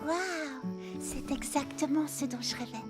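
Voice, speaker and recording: A woman's voice: high-pitched, a little slow. A woman in a French cartoon dub voicing a modest, polite young pop star who speaks a little hesitantly. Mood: grateful, polite. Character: young female pop star wanting ordinary life, modest. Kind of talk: French animated cartoon dubbing. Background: background music.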